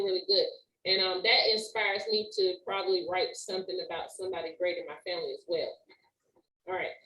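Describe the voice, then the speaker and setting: A woman leading a community writing class in an informal, encouraging way, sometimes reading slowly and deliberately. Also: medium pitch, bright, forceful tone. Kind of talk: casual teaching, reading a poem aloud. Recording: roomy room, mic at a distance.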